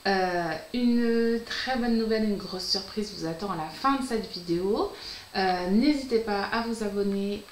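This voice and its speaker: An upbeat woman chats through a casual fabric unboxing vlog at home. Her voice sits in the middle of the usual range. The room gives it a noticeable echo, and a faint hiss runs underneath. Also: medium pitch. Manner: bubbly and enthusiastic, often says she is delighted. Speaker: sewing vlogger and host. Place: at home, filming at night.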